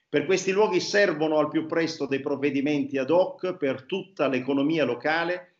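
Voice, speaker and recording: Against a quiet background, a man speaks with ordinary pitch variation, his voice carrying audible room echo. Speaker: interview host. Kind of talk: news program introduction. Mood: formal, concerned. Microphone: video call.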